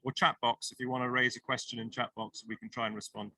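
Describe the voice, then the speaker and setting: A man's voice: mid-range voice, little pitch movement, fast, sharp tone, dry recording, poor audio. A man moderating an online panel discussion, encouraging and thinking aloud as he goes. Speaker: session moderator.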